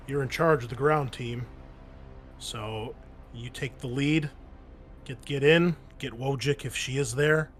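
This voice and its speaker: A man playing a decisive female military captain, giving orders in a measured, businesslike way for a tabletop game. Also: fairly low pitch, lightly acted.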